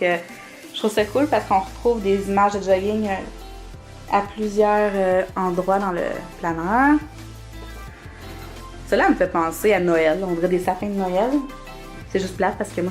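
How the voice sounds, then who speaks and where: A young woman with a Québécois French accent, chatting casually as she shows off her planner, with lots of fillers and little laughs. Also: medium pitch. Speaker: planner vlogger. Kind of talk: casual show-and-tell.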